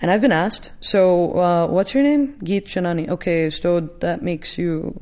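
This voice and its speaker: A woman with an American accent speaks at a moderate pace, her fairly low voice dark and mellow in tone, in a very clean recording with a silent background. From New York City. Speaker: emergency doctor. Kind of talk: interview. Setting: in Karachi, Pakistan.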